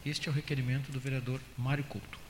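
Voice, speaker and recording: A man with a Brazilian accent reading council motions aloud in a steady, measured official tone. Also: mid-range voice. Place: council chamber. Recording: echoey chamber audio with faint hiss.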